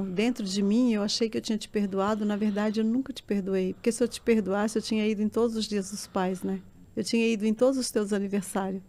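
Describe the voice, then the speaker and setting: A woman's voice: mid-range voice, warm tone. A woman giving an emotional faith testimony as a guest in an interview, telling her story earnestly and with passion.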